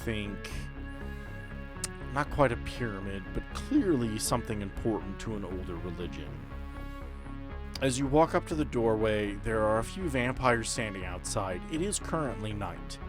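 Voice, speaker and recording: A man acting as game master, narrating a tabletop role-playing game in a deliberate, descriptive way with pauses mid-sentence. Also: fairly low pitch, lively intonation. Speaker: game master and host of an actual-play podcast. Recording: background music under the voice.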